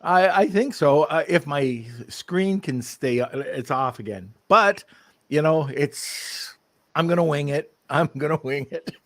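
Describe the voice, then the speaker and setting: A man's voice: on the high side, expressive, measured pace, dry recording. A man hosting a live podcast over a video call, chatting casually, rambling and laughing at himself. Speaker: podcast host. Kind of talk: casual live-stream chat.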